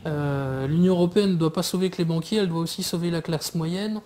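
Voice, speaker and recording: A man's voice: fairly high pitch, steady tone, a little fast, darkish tone, a little hiss or hum. Hesitant man discussing politics. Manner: hesitant, many fillers and restarts. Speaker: guest commentator.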